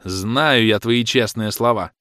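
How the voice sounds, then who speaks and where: A man's voice: lowish voice, slow, sharp tone, no echo, studio quality. A man voicing a jealous, furious young man who hurls accusations at his lover in a raised, scornful voice. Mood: angry. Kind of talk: audiobook character reading.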